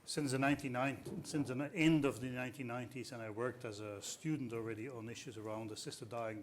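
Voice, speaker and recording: A middle-aged man from Belgium whose first language is Dutch, a law professor on a panel, speaking in a measured, hesitant way. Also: mid-range voice, slight background noise. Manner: measured, hesitant, many uh fillers. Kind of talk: panel discussion.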